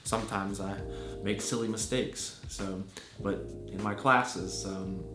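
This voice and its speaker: A man's voice: lowish voice, fairly even intonation, slow. A man in his thirties from Virginia with an American accent, an English teacher giving earnest, thoughtful interview answers full of small fillers and restarts. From Virginia, USA. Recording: echoey room with faint music.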